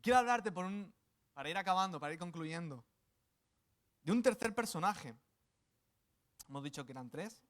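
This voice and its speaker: A man's voice: sits high, expressive, normal speed, pauses often. A man from Spain preaching a sermon, with playful asides and acted quotes. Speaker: pastor.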